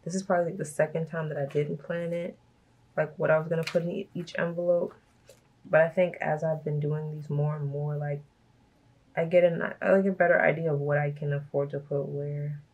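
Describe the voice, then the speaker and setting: A woman from Brooklyn, hoarse from a cold, chatting casually and laughing often as she talks through her budget. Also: low-pitched, flat delivery, a little fast, darkish tone, highs cut off. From Brooklyn, New York. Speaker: budgeting vlogger. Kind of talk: casual chat while stuffing cash envelopes.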